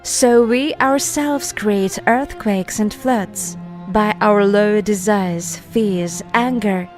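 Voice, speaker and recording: Female narrator for spiritual video: very slow, deliberate scripted read, soft music bed behind. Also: medium pitch. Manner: measured, deliberate, phrase-by-phrase reading with pauses. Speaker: narrator reading an article.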